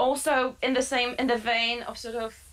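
A woman with a Polish accent speaks in a bright, sharp tone. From Poland. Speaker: panel moderator and translator; panel moderator. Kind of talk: moderated literary panel discussion. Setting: video call. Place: home room. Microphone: video call.

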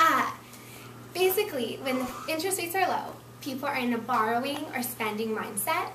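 A woman with a high pitch uses a raised, projected voice at a fairly quick pace, her pitch swinging very widely between long, frequent pauses over noticeable background noise. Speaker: college student. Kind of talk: classroom speech. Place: classroom. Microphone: camera far.

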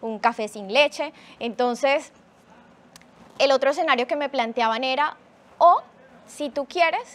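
The speaker is a woman with a fairly slow pace. Ordinary pitch variation marks her speech. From Colombia. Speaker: breastfeeding mother. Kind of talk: personal testimony. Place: studio.

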